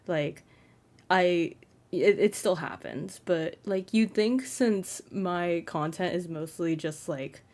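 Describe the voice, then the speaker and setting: A young trans man records a relaxed late-night bedroom vlog, rambling with self-conscious "like" fillers as a content creator. He has a high, fairly flat voice that sounds feminine, and his pace is slow.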